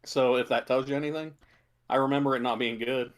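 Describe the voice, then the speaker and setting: Halting, casual man co-hosting a podcast. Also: mid-range voice, steady tone. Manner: halting, hedging delivery with many filler words. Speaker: podcast co-host. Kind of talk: casual chat about video game movies.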